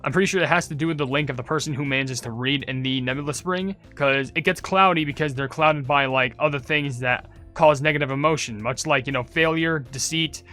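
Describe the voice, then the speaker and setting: A man's voice: a little high, fairly quick, hardly any pauses, pushed and bright, soft background music. A young man giving casual, rambling gaming commentary, thinking aloud as he goes. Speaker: gaming video creator.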